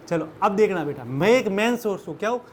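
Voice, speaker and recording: A man's voice: sits high, expressive, fast, slight background noise. A man teaching physics to a class of students, constantly asking them questions and calling them "beta", joking and laughing with them. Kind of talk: classroom lecture with call-and-response questions.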